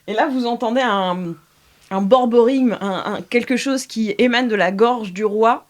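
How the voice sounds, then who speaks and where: A woman narrating as game master of an improvised tabletop game, laughing often and filling pauses with hesitations. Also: a little high.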